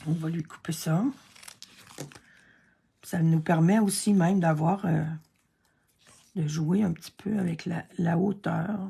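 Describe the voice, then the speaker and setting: A woman's voice: lowish voice, fairly even intonation, a little slow, creaky, pauses often, warm tone, breathy edge. A Québécois woman chatting and thinking aloud through a card-making tutorial, self-deprecating and chatty. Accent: Québécois French. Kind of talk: casual craft tutorial narration.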